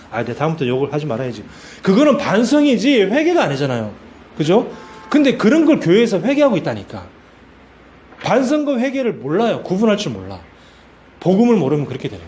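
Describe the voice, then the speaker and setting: A man's voice: sits high, a little mellow, a little hiss or hum. A man preaching a sermon as pastor, telling a story animatedly and throwing out rhetorical questions.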